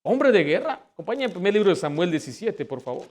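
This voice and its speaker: A man with a somewhat high-pitched voice delivers a sermon as pastor. He tells anecdotes, acting out the voices in them, then swells into loud, fervent exhortation. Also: big pitch swings, quick pace. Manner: storytelling, acts out quoted voices, builds to loud exhortation.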